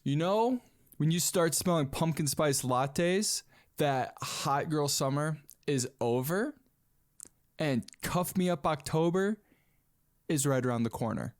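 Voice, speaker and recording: Animated rambling man in his twenties. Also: fairly high pitch, slow. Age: 20s. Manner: rambling, animated, says "dude" a lot. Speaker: podcast host. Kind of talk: casual solo podcast monologue.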